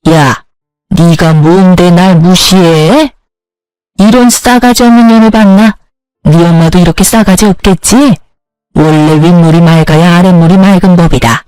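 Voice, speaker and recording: A woman's voice: on the low side, a little slow, a little mellow, smooth, no room sound, natural voice, low-quality recording. Brief: woman reading a nasty, contemptuous mother-in-law, storybook drama. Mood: shrieking angry. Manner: insulting, contemptuous scolding. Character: spiteful older mother-in-law, scolding.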